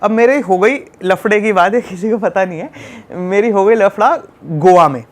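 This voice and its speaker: High-voiced young man telling a story. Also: normal speed. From Delhi, India. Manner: animated storyteller, acts out shouting scenes. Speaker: travel YouTuber guest. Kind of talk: casual podcast storytelling.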